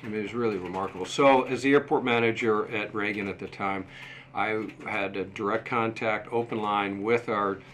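A man in his sixties answering interview questions in a measured, halting way, pausing as he goes. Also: lowish voice, fairly even intonation, fairly bright tone, a little hiss or hum. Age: 60s. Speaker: interview guest, museum deputy director and former airport manager. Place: small indoor office set. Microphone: desktop microphone shared at a table.

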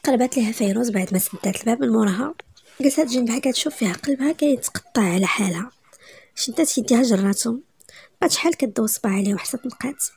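A woman with a Moroccan Arabic accent narrating a dramatic story softly, often half-whispered. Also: fairly high pitch, rapid-fire, gravelly, breathy edge.

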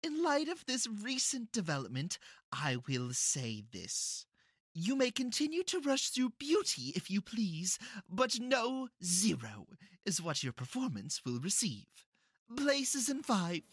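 A woman's voice: medium pitch, sing-song, measured pace, breathy edge, no echo. A woman playing a haughty, theatrical, easily exasperated drama teacher with a pompous, grandiose delivery in an audio drama. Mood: pompous disdain.

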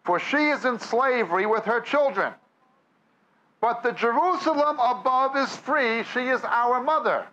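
A man's voice: very high voice, lively intonation, measured pace, sharp tone, highs cut off. A man with a New York accent preaching a sermon, reading scripture aloud and then explaining it to a live audience. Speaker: Bible teacher. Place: church or meeting hall with audience.

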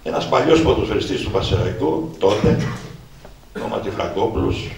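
Author in his sixties recounting his past to an audience, talking to them directly, with a gravelly voice, recorded from afar in a reverberant hall with faint background noise. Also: lowish voice, lively intonation. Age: 60s. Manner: anecdotal, addresses listeners directly and acts out old dialogues. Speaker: author presenting his book. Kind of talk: personal storytelling to an audience. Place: event hall at a book presentation. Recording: echoey hall, distant mic, faint noise.

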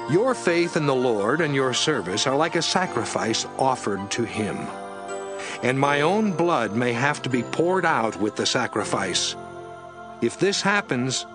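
Expressive male Bible narrator over music. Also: mid-range voice. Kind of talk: scripture reading. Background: background music.

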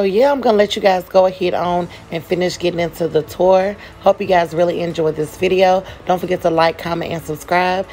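A woman's voice: lowish voice, creaky, a little hiss or hum. Chatty woman giving a game tour. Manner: relaxed, chatty, addresses viewers as "you guys". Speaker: gaming channel host. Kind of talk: casual game tour voice-over.

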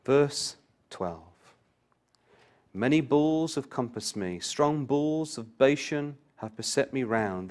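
Man preaching a Bible study. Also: lowish voice. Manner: reads scripture aloud with rising emphasis, then explains; addresses listeners directly with questions. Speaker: Bible class speaker.

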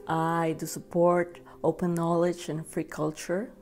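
A woman's voice: lowish voice, level tone, unhurried, darkish tone, faint music behind. A woman, a professor, answering earnestly in an interview in a library room. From Ecuador.

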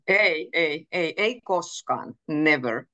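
A woman's voice: sits low, expressive, bright, forceful tone, dry recording, highs cut off. A woman teaching a beginner Finnish class over a video call, patiently switching between Finnish and English and laughing often. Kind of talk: online language lesson.

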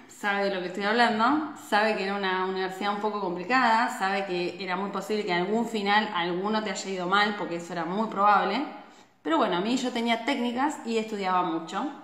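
Argentine woman chatting in echoey room. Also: medium pitch. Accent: Argentine Spanish. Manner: chatty, frequent tag questions, animated hand gestures. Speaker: Ayurveda doctor hosting a live stream. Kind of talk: casual live-stream talk to viewers. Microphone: phone camera at arm's length.

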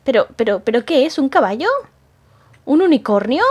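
On the high side with lively intonation, this woman speaks at a moderate pace in a slightly mellow tone. She hosts a roleplay channel and, in an improvised game, voices a jumpy, fussy, easily frightened young woman whose startled moments bring stammers and repeated words, all jittery and flustered.

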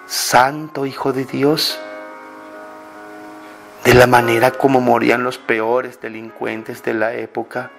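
A man prays aloud in a slow, measured way, with long pauses between pleading phrases. His voice sits at an ordinary pitch and sounds fervent and devout. Clear music plays underneath him throughout. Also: little pitch movement, a bit bright. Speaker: prayer leader. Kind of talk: slow devotional spoken prayer.

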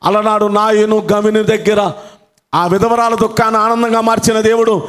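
A man's voice: high-pitched, little pitch movement, moderate pace, a bit bright. A man preaching a sermon as pastor, telling a story dramatically, repeating phrases for emphasis and calling out hallelujah. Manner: fervent, exclaims hallelujah.

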